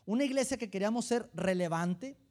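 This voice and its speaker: Preaching at a brisk clip, the man's voice sits high and carries a Mexican accent. He's a pastor who livens his sermon with funny anecdotes and addresses the congregation head-on.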